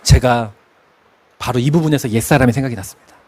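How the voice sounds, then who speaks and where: A man's voice: mid-range voice, fast. A middle-aged man from Korea's Chungcheong region preaching a sermon, telling stories and laughing as he goes. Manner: expressive preaching, sings hymn lines, laughs while telling stories. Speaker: pastor.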